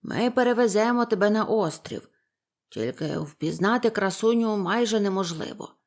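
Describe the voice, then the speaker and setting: A woman voicing two kindly fishermen in a storybook, speaking lower and slower than her own voice. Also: lively intonation, darkish tone, natural voice. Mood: confiding. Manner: low, slow, homely telling. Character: two grateful old fishermen, plain and kindly.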